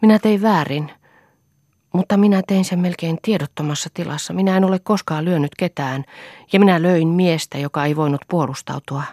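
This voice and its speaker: A woman voicing a distraught middle-aged man who speaks quietly and haltingly, in an audiobook. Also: low voice, dry recording, studio quality. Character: shaken middle-aged man confessing in a hushed voice.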